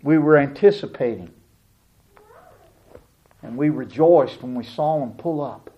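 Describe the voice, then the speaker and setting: A middle-aged man preaching a sermon as a pastor, telling a family story with lively acted-out voices. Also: mid-range voice, a little slow, highs cut off.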